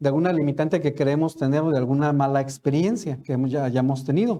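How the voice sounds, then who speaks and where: A man at a very fast pace. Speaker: preacher. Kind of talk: sermon. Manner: halting.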